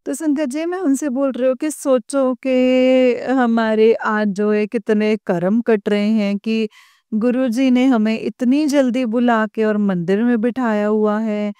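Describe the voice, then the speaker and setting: Slow, heartfelt woman. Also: on the high side, fairly even intonation, warm tone, clear, resonant tone, dry recording. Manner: earnest, repeatedly addresses listeners as congregation; emotional, heartfelt. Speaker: devotee sharing an experience. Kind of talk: devotional testimony to listeners.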